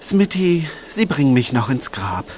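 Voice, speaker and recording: Actor as flustered, grumbling man, lively pitch. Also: unhurried, a little hiss or hum. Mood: flustered, irritated. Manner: agitated, grumbling, sarcastic. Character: flustered, exasperated man caught up in crime. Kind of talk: German crime radio play acting.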